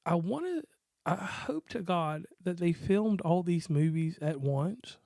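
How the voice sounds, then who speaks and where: A man co-hosting a casual movie review podcast, talking in a relaxed, rambling, joking way. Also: sits high, takes it slowly, gravelly, dry recording, clean studio sound. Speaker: podcast co-host.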